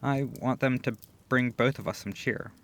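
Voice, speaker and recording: A man playing a gentle, affectionate boyfriend in an intimate ASMR comfort roleplay, speaking softly, tenderly and reassuringly. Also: mid-range voice, steady tone, a little hiss or hum, lightly acted. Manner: soft, tender, unhurried, reassuring.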